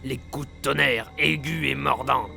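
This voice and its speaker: Mad clown supervillain for a game dub: slow, creaky, theatrical monologues, menacing yet wistful, over music. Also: male voice, medium pitch, steady tone. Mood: sinister, brooding. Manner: theatrical monologue, breaking into cackles. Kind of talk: French fan dub of a video game scene. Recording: dramatic music behind the voice.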